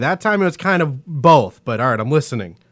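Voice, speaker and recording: The speaker sounds animated, with lively intonation. Background noise is noticeable. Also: man. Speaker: podcast co-host. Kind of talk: casual chat.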